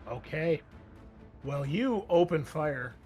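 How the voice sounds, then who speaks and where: A man's voice: on the high side, animated, slow, a little mellow, soft background music. A man narrating a tabletop roleplaying game as game master, describing scenes in a casual, improvised way.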